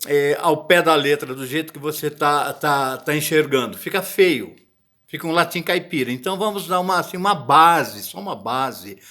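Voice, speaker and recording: A man's voice: on the high side, normal speed, sharp tone. A man giving a casual video lesson on botanical Latin, chatty and often searching for words. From Brazil. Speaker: botany teacher.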